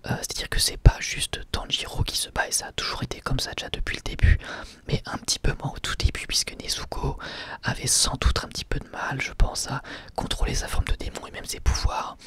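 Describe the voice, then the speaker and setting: A man whispering a casual ASMR review, soft and hesitant, with many small pauses and fillers.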